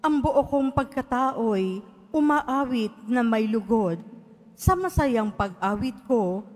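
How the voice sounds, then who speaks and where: A woman reading scripture aloud as lector at a church service, in a measured, solemn way. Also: a little high, lively intonation. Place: large church. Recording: long church reverb.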